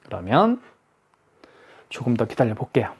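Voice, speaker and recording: On camera, a product demonstrator walks viewers through a gadget step by step in a hands-on tutorial, patiently repeating phrases so they sink in. His middle-pitched voice swings widely in pitch at a normal speed, sounding a little mellow with a breathy edge.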